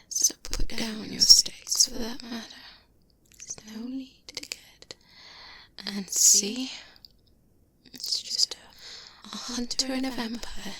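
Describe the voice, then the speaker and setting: A woman playing a sly, teasing female vampire in a soft-spoken, whispery ASMR roleplay, close to the microphone. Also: on the high side, fairly even intonation, slow pace. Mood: calm, teasing. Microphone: close binaural microphone.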